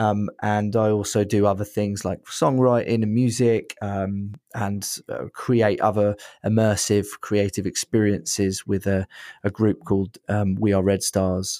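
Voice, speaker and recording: The speaker has a southern English accent and a dark, mellow tone, talking fairly slowly with monotone, flat intonation. The recording is very clean, with a silent background and a dry, close sound with no echo. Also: man, fairly low pitch for a man. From England, Brighton. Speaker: founder of a video training business and an adventure company. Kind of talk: casual interview chat.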